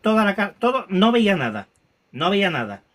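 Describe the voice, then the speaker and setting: A man with a higher-than-usual voice tells a painful personal story. He stumbles, restarts and repeats phrases, his voice shaken and close to tears. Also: very animated, fairly bright tone. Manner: halting, many restarts and repetitions. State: emotional, near tears. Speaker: guest recounting a paranormal experience.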